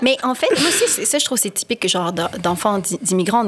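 Noticeable background noise accompanies a woman with a Quebec accent speaking at a moderate pace in an animated tone with lively intonation. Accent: Quebec French, learned by imitation. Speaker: podcast host, actress. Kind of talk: casual chat.

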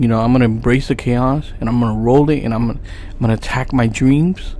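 A man speaks at a fast pace, his medium pitch held to fairly even intonation.

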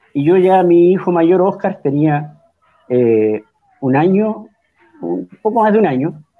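A high-pitched male voice with lively intonation and long, frequent pauses. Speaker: church elder. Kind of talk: testimony. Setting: video call.

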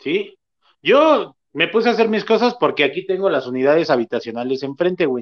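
The pace is fairly quick. The speech comes in a Mexican accent. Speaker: podcast host. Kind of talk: casual chat.

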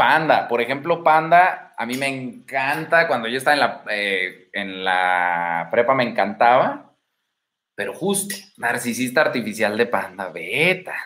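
A man with a Mexican accent, medium-pitched, his bright, sharp tone animated and swinging very widely in pitch at a fairly slow pace. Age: 30s. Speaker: dating coach streamer. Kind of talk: casual livestream chat.

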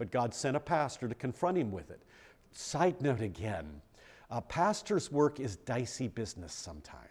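A man with a medium-pitched voice and vocal fry speaks at a moderate pace. His pitch swings very widely and his loudness rises and falls a lot, on a very clean recording with a silent background. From US West, Wyoming. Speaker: pastor. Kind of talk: Bible study class. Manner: conversational.

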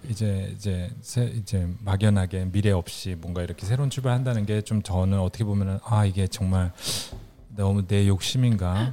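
A man's fairly low voice, dark and mellow in tone, moves at a moderate pace with fairly even intonation. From South Korea. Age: middle-aged. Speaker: video editor and designer, co-host. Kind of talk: live stream casual chat.

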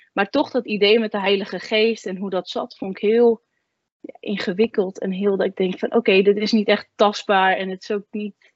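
A woman's medium-pitched voice at a moderate pace, fairly even in intonation but with big swings in loudness. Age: 20s. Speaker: inland shipping worker. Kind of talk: testimony. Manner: halting.

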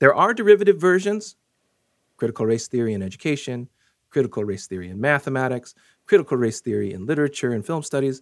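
A man talks very fast with an American accent and very wide pitch swings. The recording is very clean and dry, with a silent background and a close sound with no echo. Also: medium pitch for a man, big swings in loudness. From US, Oklahoma. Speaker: theologian and author. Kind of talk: interview conversation.

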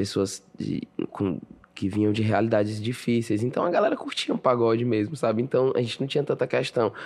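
A man's ordinary speaking voice, medium in pitch, at a fairly quick pace with ordinary pitch variation. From Fortaleza, Ceará, northeast Brazil. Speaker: singer and songwriter. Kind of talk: interview.

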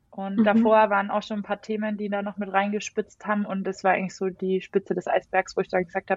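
The woman here speaks at a very fast pace. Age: 30s. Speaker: physiotherapist and yoga teacher sharing birth story. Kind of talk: interview.

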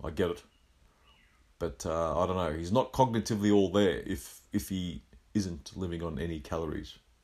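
Speaking with an Australian accent, a man has a very deep, low pitch. His pace is moderate, with ordinary pitch variation. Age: 50s. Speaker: health podcaster. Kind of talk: solo podcast monologue. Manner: halting, many fillers.

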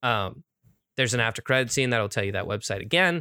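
A man with an American accent talks at a very fast pace in a bright, sharp tone. The recording is very clean, with a silent background. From United States. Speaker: podcast co-host. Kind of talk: casual chat. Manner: animated.

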